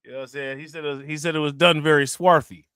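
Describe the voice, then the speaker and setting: A man's voice: on the high side, fairly even intonation, very fast, clear, resonant tone, no room sound, studio quality. A man hosting a livestream, casually reacting to a news clip, joking, laughing and reading out chat comments. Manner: joking, laughing, repeats himself, reads chat shout-outs.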